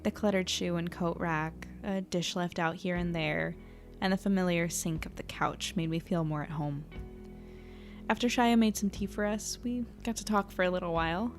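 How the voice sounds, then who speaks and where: A woman acts and narrates as an earnest, worried female reporter in a naturalistic audio drama, sounding conversational, hesitant, a bit self-deprecating and wry. Her performance is light, her pitch fairly low, her intonation fairly even and her speed normal, against soft background music.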